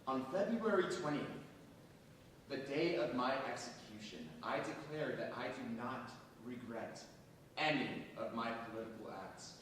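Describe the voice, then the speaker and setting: Casting: a sardonic political prisoner awaiting execution, declamatory stage delivery, heard far off in a reverberant hall. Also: male voice, expressive, unhurried, fairly bright tone. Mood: grave, defiant. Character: defiant, sardonic imprisoned militant man facing execution. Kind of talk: theatrical staged reading. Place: large echoing hall, staged reading. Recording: very echoey hall, distant mic, faint rumble.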